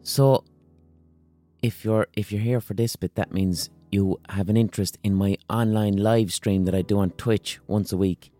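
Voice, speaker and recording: A hoarse Irish man talks through his solo podcast with a low voice, full of rhetorical questions and the odd swear word. His delivery sounds passionate, recorded close and dry with a faint bit of music underneath. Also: steady tone, normal speed, dark tone, no echo. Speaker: podcast host.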